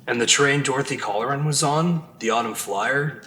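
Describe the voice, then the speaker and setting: A man acting as a probing investigator in an audio drama. His mid-pitched voice is bright and sharp, with the echo of a large room around it. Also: moderate pace, close to an everyday voice. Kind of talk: scripted audio drama dialogue. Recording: echoey room.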